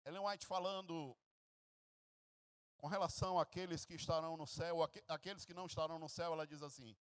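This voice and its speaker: A Brazilian pastor preaching, his voice pitched high for a man. He acts out the stories, swinging from near-whispers to loud cries. The sound is dry and close, with no room echo. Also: fairly even intonation, fast talker. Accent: Brazilian Portuguese. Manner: dramatic storytelling, acting out scenes with sudden loud bursts and hushed passages. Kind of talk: sermon.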